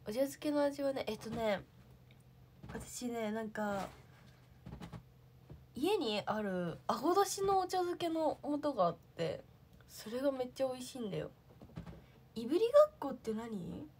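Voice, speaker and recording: A woman's voice: on the high side, animated, normal speed, long pauses, darkish tone, slight background noise. A young woman, an idol, chatting casually on a livestream, answering viewer comments and thinking aloud with lots of fillers.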